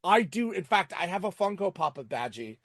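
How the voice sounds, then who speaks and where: A man with a slightly high voice talks through episodes as a podcast host. His delivery is conversational and halting, with repeated words. The sound is very dry, with no room echo. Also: very animated, a bit bright. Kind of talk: casual episode recap and commentary.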